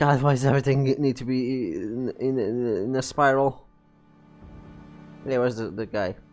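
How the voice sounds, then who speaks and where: Over music in the background, a man with a medium pitch and ordinary pitch variation speaks at a moderate pace, leaving long, frequent pauses. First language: not English. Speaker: gaming streamer. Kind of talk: let's play commentary, reading game dialogue aloud. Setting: live stream. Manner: halting, stumbling over words.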